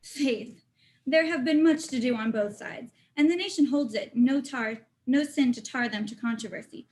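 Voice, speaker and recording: A woman playing a deferential young male courtier in a dramatic reading of Shakespeare, courteous and measured. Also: high-pitched, a little mellow, natural voice. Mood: informative, polite. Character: deferential young courtier, Hamlet's old schoolfriend.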